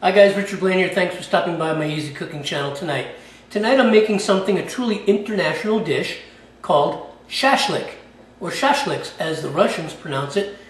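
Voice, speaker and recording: A man's voice: high voice, lively intonation, a little fast. A man hosting his own cooking channel and walking through a recipe in a casual, chatty way, often checking in with "okay?". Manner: chatty, keeps tagging lines with "okay?". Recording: echoey room, mic a bit far off.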